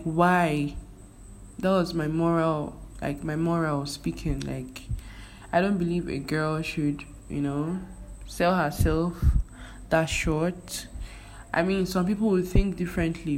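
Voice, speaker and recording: Slow-talking young Nigerian woman. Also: low-pitched, fairly even intonation, a little mellow, low-quality recording. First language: Igbo. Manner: chatty, hesitant, frequent fillers and restarts. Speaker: vlogger. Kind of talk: casual opinion vlog. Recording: faint background noise.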